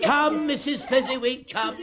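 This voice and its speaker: An actor playing a jovial, boisterous old merchant host, chuckling and exuberant in a period radio drama. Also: male voice, unhurried. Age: older. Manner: booming, chuckling, merrymaking. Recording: lively crowd of revellers behind. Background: party crowd.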